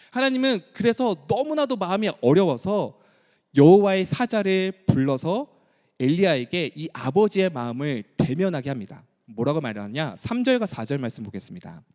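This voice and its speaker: In a church sanctuary, a male pastor preaches a sermon in a high, slightly mellow voice. He is emphatic and asks many rhetorical questions, and the recording carries the long reverb of a church hall.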